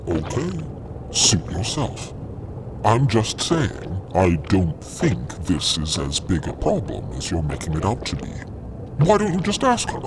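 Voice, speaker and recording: A man's voice: low voice, huge pitch swings, a little slow, noisy background, exaggerated voice. A man playing a callous, argumentative explorer in an audio drama, speaking in a condescending way. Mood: dismissive. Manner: condescending, arguing. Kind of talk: audio fiction acting. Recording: clear background engine-like ambience.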